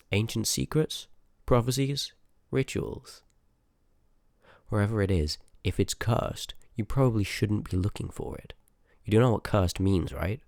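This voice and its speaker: A man's voice: fairly low pitch, gravelly, a little mellow, no echo. A man voicing a rude, sarcastic, reluctant sorcerer of a haunted house in a scripted ASMR roleplay, grumbling and dismissive, close on the microphone. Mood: sarcastic, weary.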